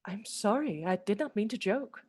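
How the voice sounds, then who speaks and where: An actress playing a sweet, playful, gently stubborn young lady with a polite, genteel manner in a radio drama. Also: mid-range voice, expressive, moderate pace, slightly rough. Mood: contrite. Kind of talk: theatrical radio drama acting.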